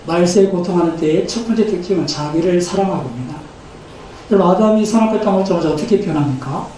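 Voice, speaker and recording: High-voiced pastor in his fifties, echoing church. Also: mellow. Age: 50s. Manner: earnest preaching with rising emphasis. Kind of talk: sermon. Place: church sanctuary. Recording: echoey church hall, mic at a distance, faint noise.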